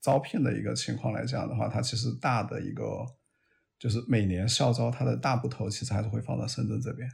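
On a very clean recording with a silent background, the speech runs at a fairly quick pace. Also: man. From Sichuan, China. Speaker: internet product manager. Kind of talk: casual chat.

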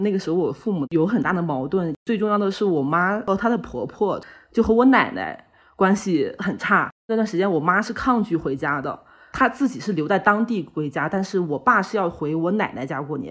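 Against a quiet background, a woman with a normal speaking voice talks at a moderate pace, medium pitch and lively intonation. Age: 30s. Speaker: listener sharing personal story. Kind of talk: personal testimony.

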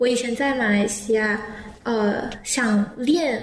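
With ordinary pitch variation, a woman speaks over noticeable background noise. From Malaysia. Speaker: international university student. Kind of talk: casual interview chat.

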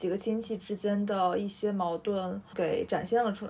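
On a very clean recording over a silent background, the speech flows at a moderate pace in a plain, everyday voice, its intonation fairly even. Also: woman. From Shandong. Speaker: journalist. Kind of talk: casual chat.

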